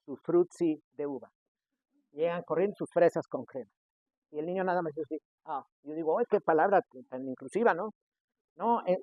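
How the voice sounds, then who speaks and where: Tinny high-voiced Mexican pastor preaching. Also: male voice, no echo. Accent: Mexican Spanish. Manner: acts out quoted people, switching loudness. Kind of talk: sermon. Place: church. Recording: dry, tinny phone-like sound.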